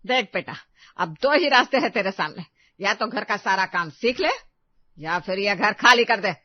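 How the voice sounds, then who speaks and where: A strict middle-aged mother-in-law, played by a woman in a cartoon story. She scolds and lays down rules in a fairly high voice. The recording is dry and slightly dull. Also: moderate pace, no room sound, natural voice. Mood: scolding. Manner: scolding, commanding. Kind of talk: Hindi cartoon story voice acting.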